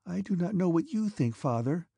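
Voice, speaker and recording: A man reading the part of a timid young noblewoman, an anxious daughter speaking softly and hesitantly. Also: high-pitched, big pitch swings, normal speed, vocal fry, slightly rough, no room sound, pitched above the performer's own voice, exaggerated voice. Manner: soft, hesitant, near whisper. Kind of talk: audiobook character reading.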